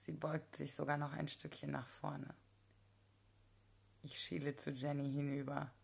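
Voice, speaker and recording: Low, husky woman telling an intimate story. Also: level tone, unhurried. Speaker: narrator. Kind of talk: first-person erotic audio story reading.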